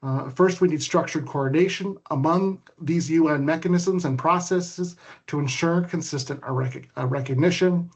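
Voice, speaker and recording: Higher-voiced man giving panel remarks. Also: moderate pace, a little mellow, slightly rough.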